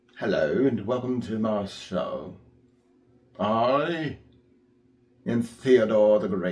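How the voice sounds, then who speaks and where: In a put-on character voice with a British accent, the speaker sounds nasal and talks at a very slow pace with long, frequent pauses. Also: man, medium pitch for a man. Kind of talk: pompous.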